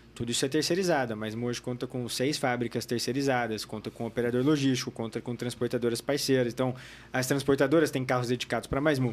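A man talks at a very fast pace at medium pitch, his intonation fairly even. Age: young. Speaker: company co-founder. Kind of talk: interview.

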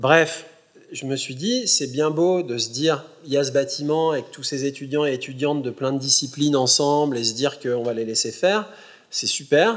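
At a moderate pace, a plain, everyday voice talks with ordinary pitch variation. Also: man, fairly high pitch for a man. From France. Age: 40s. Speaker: dancer and choreographer, dance school dean. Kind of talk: public talk, conversation.

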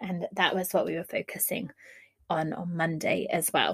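The voice is somewhat breathy, with an English accent. It moves at a moderate pace. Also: woman. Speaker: podcast host. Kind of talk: casual interview chat.

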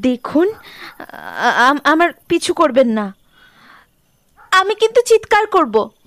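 In a put-on character voice, the speaker sounds shaky at extremely high pitch, swinging very widely in pitch at a moderate pace. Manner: fearful warning.

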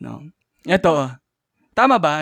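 The recording is very clean with a silent background, carrying a man's fairly high-pitched voice. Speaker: stand-up comedian and podcast host. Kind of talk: stand-up comedy set. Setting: live audience. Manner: animated, punchy comedic delivery with crowd banter; casual Taglish, jokey pauses, play-off laughter.

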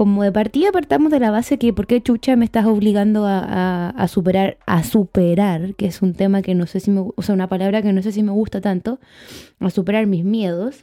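A woman of medium pitch speaks with a Chilean accent at a fairly quick pace. Her tone is dark and mellow, her pitch variation is ordinary, and the recording is very clean with a silent background. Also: dry, close sound with no echo. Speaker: podcast host. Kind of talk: casual chat.

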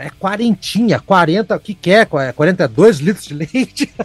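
A man speaks with a high pitch and very wide pitch swings. His pace is fairly slow, and the sound is dry and close, with no echo. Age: 40s. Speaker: podcast host and music reviewer. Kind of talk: casual chat.

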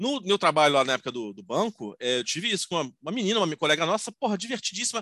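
With hardly any pauses, a man talks very fast in a high, bright, sharp voice with very wide pitch swings, the sound dry and close with no echo. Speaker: podcast co-host. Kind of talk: casual chat. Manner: talkative.

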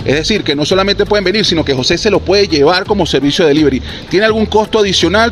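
A high-pitched man at a very fast pace, with ordinary pitch variation, over noticeable background noise. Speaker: radio host. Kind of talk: radio interview. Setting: on location at guest's home.

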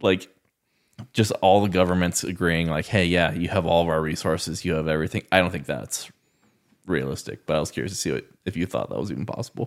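A man talks at a very fast pace in a very deep, low pitch with vocal fry and ordinary pitch variation. The recording is very clean, with a silent background. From Alaska. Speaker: podcast guest, logistics worker. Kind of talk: casual chat.

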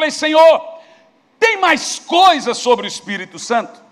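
A man's raised, projected voice at an extremely high pitch, with ordinary pitch variation. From Brazil, Goiás (Goiânia). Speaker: pastor. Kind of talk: sermon. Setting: church.

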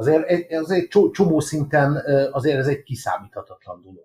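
Delivered at a moderate tempo, the voice has lively intonation. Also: man. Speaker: guest, musician and Liverpool fan. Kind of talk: casual podcast chat. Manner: reflective, hesitant with repetitions.

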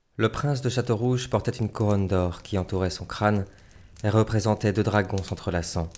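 A man's fairly low voice at a moderate pace with ordinary pitch variation, on a very clean recording with a silent background. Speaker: storyteller narrator. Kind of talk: dramatic fantasy storytelling, scripted narration. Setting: audio-only episode. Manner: theatrical, solemn, gravely dramatic.

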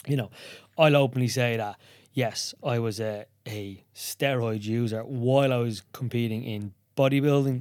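A man with an Irish accent and fairly even intonation, in a very clean recording with a silent background. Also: medium pitch for a man, moderate pace. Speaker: podcast host, personal trainer and former bodybuilder. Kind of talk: casual interview chat.

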